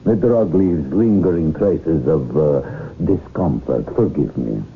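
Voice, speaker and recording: An actor playing a suave, coldly polite foreign kidnapper in a radio drama, heard over an AM radio broadcast. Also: male voice, rumbling low, takes it slowly, exaggerated voice. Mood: coolly menacing. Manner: smooth, mocking, coldly polite. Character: suave menacing male foreign kidnapper boss. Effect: AM radio sound. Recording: tinny AM radio broadcast, faint hiss.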